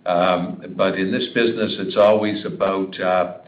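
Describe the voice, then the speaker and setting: Exec guy on a conference call, flat delivery, deliberate, dull echoey speakerphone sound. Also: low-pitched. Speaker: senior company executive. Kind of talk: answering analyst questions on a conference call.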